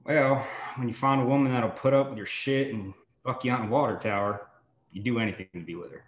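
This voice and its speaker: A man's voice: mid-range voice, steady tone, fast, roomy sound, lightly acted. A man reading the part of a cocky, womanizing police chief in a laid-back, wry way during a screenplay table read.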